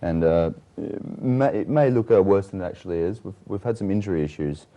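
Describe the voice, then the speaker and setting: Aussie guy, deep voice, laid-back studio guest chatting about his team. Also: fairly quick, dark tone. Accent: Australian. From Australia. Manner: easygoing, explaining with fillers and restarts. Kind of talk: casual studio chat.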